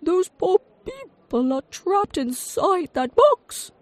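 A woman voicing an excitable Victorian male inventor who travels through time, speaking in loud, dramatic exclamations. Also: mid-range voice, slow pace, dry recording. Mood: exclaiming.

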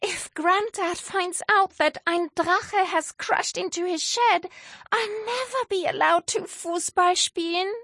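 A woman voicing a bored, excitable young girl who yelps in a high voice. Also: takes it slowly, no echo, studio quality, exaggerated voice. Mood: alarmed.

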